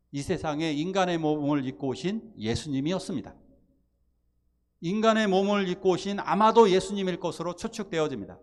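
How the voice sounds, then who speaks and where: A male pastor preaching a sermon, telling a story with animated delivery and acting out the pleading voices of its characters. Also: high voice. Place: church sanctuary.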